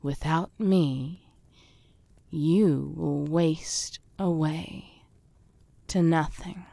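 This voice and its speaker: A possessive fae queen, played by a woman, purrs her commands very slowly, lingering on each word. Her voice sits a little low and often drops into a breathy whisper. The recording is dry and close, with no room sound. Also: dark tone, no echo, exaggerated voice. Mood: seductive, menacing. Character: domineering seductive fae queen, possessive and menacing. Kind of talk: audio roleplay.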